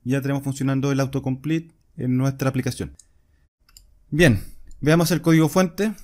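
A man's voice: mid-range voice, normal speed, darkish tone. A man, explaining a coding screencast step by step while he types. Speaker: programming instructor. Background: keyboard typing and clicks.

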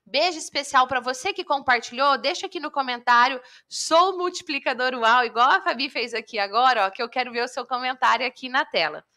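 Bright high-voiced woman coach. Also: fairly quick, hardly any pauses. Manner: lively, addresses viewers directly. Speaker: public speaking coach. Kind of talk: live online lesson.

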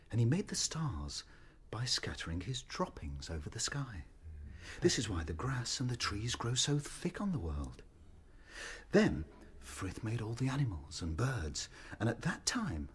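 An eager young rabbit telling tales in a radio drama. The voice is very breathy and husky, and it swoops theatrically up and down. He is timid underneath the showmanship. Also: on the low side, exaggerated voice. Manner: theatrical, expressive. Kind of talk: dramatic storytelling in a radio play.

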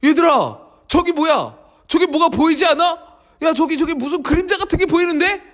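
A man voicing a panicked group of fishermen disciples in a storm, shouting frantically. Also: very high-pitched, animated, a little fast. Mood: terrified.

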